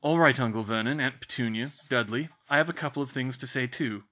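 A man's voice: mid-range voice, brisk, pushed and bright, close to an everyday voice. A man voicing a defiant teenage boy who talks in a firm, self-assured way. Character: defiant teenage boy wizard, calm and smug.

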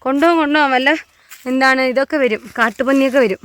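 A woman's voice: sits high, very fast, background noise. Chatty woman vlogging on a hillside. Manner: chatty, talking to viewers while coaxing her little daughter. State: out of breath from climbing. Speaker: vlogger and mother. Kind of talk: casual vlog narration while walking. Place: outdoors on a hillside plantation.

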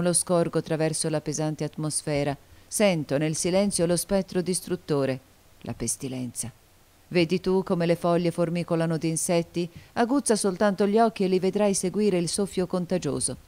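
A solemn, mysterious man of hidden knowledge, grave and measured, at times tender, in a low, mellow voice, as a woman narrator puts him on. Storybook reading, unhurried and dark in tone. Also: lightly acted. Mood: ominous. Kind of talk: audiobook character reading.

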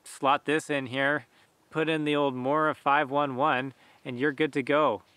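Bright-voiced man talking in a forest. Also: on the high side, a little slow, smooth, no echo. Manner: relaxed, conversational, lots of fillers. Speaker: bushcraft channel host. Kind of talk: casual talk to camera. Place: outdoors in a forest. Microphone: camera at close range.

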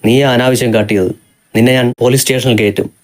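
A man's voice: mid-range voice, steady tone, fairly quick, darkish tone, close to an everyday voice. A man doing a frightened young woman. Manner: trembling, pleading.

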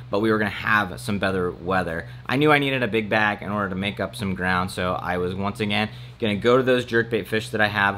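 A man's voice: lowish voice, pushed and bright. A young man, a fishing vlogger, giving a casual, matter-of-fact recap of a tournament and where he went wrong. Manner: plain, matter-of-fact, candid self-critique.

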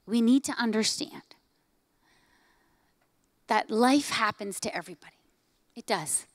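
Woman pastor in her forties, bright-pitched and emphatic, preaching on stage with a handheld mic, dry close sound. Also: unhurried, dry recording. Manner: emphatic, rising and dropping to soft hushed lines. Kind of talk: sermon. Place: church stage, large hall.

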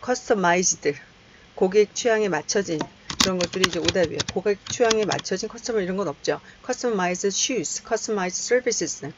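A woman gives a recorded test-prep lecture, walking through each answer step by step. She keeps asking the class questions and then answers them herself. The sound is a bit muffled, with a steady hiss behind her. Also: medium pitch. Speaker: English test prep instructor.

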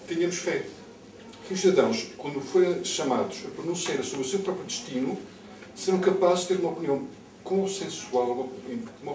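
A man's voice: a little high, a little mellow. A middle-aged man from Lisbon with a Lisbon Portuguese accent, speaking off the cuff at a public political debate, emphatically repeating words as he builds his points. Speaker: candidate speaking on a panel. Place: bookshop-like indoor room with seated audience. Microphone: far camera. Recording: distant camera mic, echoey, noisy room.

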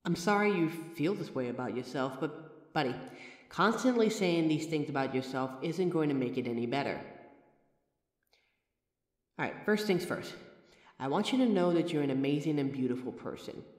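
Brief: woman as a talkative, kind mirror-reflection girl, lively pitch, echoey reverberant room. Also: moderate pace, long pauses. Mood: reassuring. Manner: chatty, warm-hearted reassurance, self-aware rambling. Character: chatty friendly female mirror reflection, reassuring. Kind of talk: comfort roleplay audio. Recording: roomy echoey recording with long reverb.

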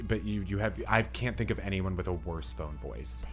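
A man's voice: sits low, moderate pace, faint music behind. A man improvising a casual comedy phone call, answering with dry, sceptical interjections. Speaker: comedy podcast performer.

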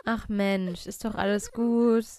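A young woman doing casual gameplay commentary, chatting and bossing her game characters around with quick exclamations. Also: medium pitch, steady tone, mellow. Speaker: let's player.

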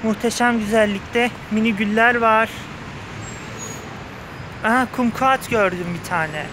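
Speaking through a face mask that slightly muffles him, a male vlogger gushes enthusiastically to viewers in casual commentary, his voice high and his pace measured. He stands on the street pavement outside a flower shop, recorded on a handheld phone behind the camera, with passing cars and outdoor urban ambience in the background.

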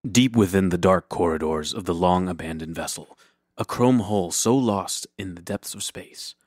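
A man's voice: low-pitched, normal speed, no room sound, studio quality. A man playing a grandiose science fiction narrator, dramatic and mock-solemn, in a scripted audio drama. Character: grandiose male sci-fi narrator.

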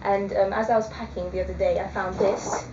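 Brisk and flat in delivery, a woman in her twenties with a mid-range voice chats casually to her webcam, full of hesitant ums. The background is noisy. She's in a small indoor room, and the lo-fi webcam audio is dull and echoey.

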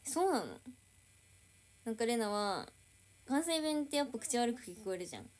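A woman's voice: on the high side, animated, normal speed, a little mellow. A young woman idol chatting casually on a livestream, reading and answering viewer comments.

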